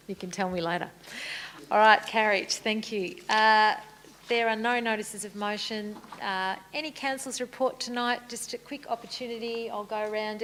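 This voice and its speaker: A woman serving as mayor and chairing a council meeting, moving briskly through formal procedure with light good humour. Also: mid-range voice, fairly bright tone, slight background noise. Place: council chamber.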